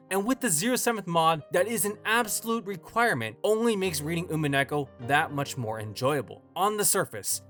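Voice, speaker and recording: A man delivers a scripted review with dramatic emphasis. His voice sits high for a man and swings widely in pitch. Faint music plays underneath. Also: a bit bright. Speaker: visual novel reviewer. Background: background music.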